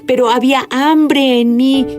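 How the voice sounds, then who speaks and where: A woman's voice: high-pitched, fairly even intonation, a little slow, darkish tone, soft background music. A woman whose first language is Turkish, a guest telling her faith testimony earnestly, with hesitant restarts. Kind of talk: testimony in an interview.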